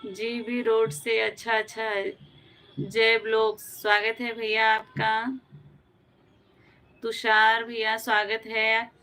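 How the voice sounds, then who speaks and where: A woman's voice: fairly high pitch, completely flat delivery, takes it slowly, pauses often, sharp tone, faint music behind, poor audio. A woman from Uttar Pradesh hosting a live stream, chatting casually, greeting viewers by name and answering their comments. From Uttar Pradesh, India.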